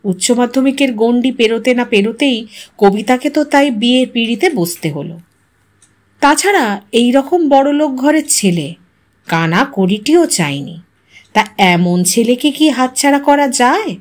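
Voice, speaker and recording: A woman reading a short story aloud as scripted dramatic narration, with an expressive, questioning delivery. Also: on the high side, a little slow.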